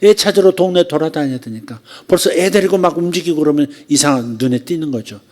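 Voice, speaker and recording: A pastor preaching in a high-pitched voice. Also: male voice, darkish tone. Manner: conversational preaching with rhetorical questions; acts out quoted lines with drawn-out repetitions. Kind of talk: sermon.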